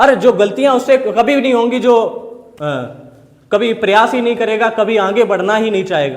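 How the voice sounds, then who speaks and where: This man's pitch is high, his pitch variation ordinary, and his pace moderate. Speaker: English teacher. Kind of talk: classroom lecture. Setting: classroom.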